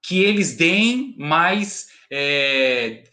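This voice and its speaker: A man's voice: on the high side, sing-song, drawn-out words, pushed and bright. A male teacher with a Brazilian Portuguese accent, explaining a lesson to students and checking in with frequent tag questions. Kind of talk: recorded remote class lesson.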